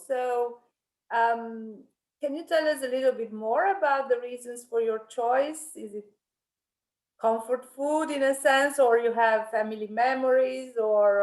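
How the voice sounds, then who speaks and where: Slow-speaking woman in an echoey room. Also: on the high side, darkish tone. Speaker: interviewer. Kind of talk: casual interview chat.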